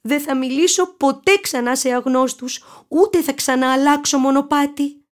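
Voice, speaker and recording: A woman voicing a sweet little girl in a red hood in a storybook reading, her tone high, eager and pleading. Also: natural voice. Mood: sobbing relief. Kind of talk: storybook character voice.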